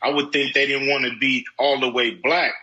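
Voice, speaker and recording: A man reflecting on family history, speaking haltingly with many fillers. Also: mid-range voice, level tone, pushed and bright, muffled recording. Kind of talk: reflective interview talk.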